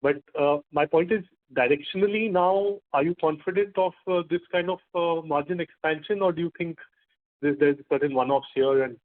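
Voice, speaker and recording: A man asking questions as an investment analyst on an earnings call, phrasing them haltingly. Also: fairly high pitch. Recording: narrow phone-like conference line.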